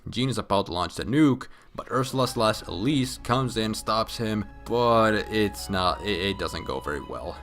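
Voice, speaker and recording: A man's voice: lowish voice, expressive, moderate pace, hardly any pauses, fairly bright tone. A man giving a drunk, rambling, profane comedic story recap with emphatic outbursts, in the casual way of a video game explainer. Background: background music.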